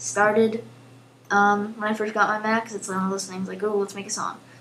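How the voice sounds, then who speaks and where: The intonation stays monotone and flat while audible room echo hangs around the voice. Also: woman. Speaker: tech vlogger, web designer. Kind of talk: screen-recorded software tour. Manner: fast; casual, hesitant with fillers.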